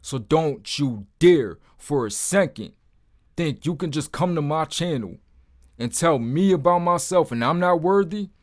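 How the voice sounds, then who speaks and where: A man with a deep voice, hosting his own Christian channel, speaks to the camera in a blunt, informal way and often drops in "man.". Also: lively intonation, a little slow. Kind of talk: casual testimony to camera.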